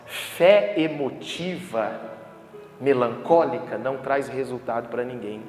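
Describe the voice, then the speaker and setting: A man's voice: mid-range voice, a little hiss or hum. A man preaching a sermon in a church, emphatic and full of rhetorical questions to the congregation. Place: church hall. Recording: echoey hall with background ambience.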